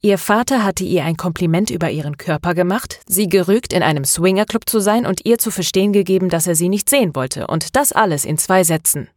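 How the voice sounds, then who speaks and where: A woman narrating an audiobook novel in a steady, measured reading. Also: on the low side, no echo, clean studio sound. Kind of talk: scripted narration.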